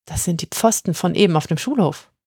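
A woman's voice: lowish voice, animated, fairly quick, a little mellow, husky, no echo, clean studio sound, full character voice. A woman voicing a skeptical, exasperated teenage schoolgirl who hisses incredulous questions.

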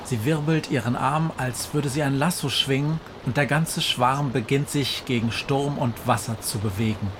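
A man reading a fairy tale aloud in a measured, solemn way that slows down for dramatic moments. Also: mid-range voice, noisy background. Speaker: narrator. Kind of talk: scripted storybook narration.

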